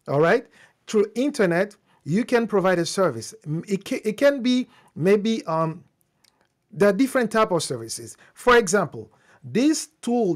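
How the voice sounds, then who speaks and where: A man whose first language is French, hosting a live-streamed tech talk in English, speaking off the cuff with restarts and fillers while greeting viewers. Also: high-pitched. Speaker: host.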